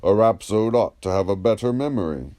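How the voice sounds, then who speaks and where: A man reading the part of a patient, ironic, probing philosopher in a dramatised dialogue, in a measured, declamatory, questioning manner. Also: on the low side, animated, mellow, close to an everyday voice.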